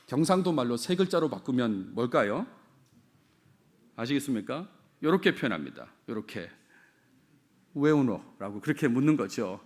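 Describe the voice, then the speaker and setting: A middle-aged man preaching a sermon as senior pastor, repeating key phrases and putting questions to the congregation. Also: mid-range voice.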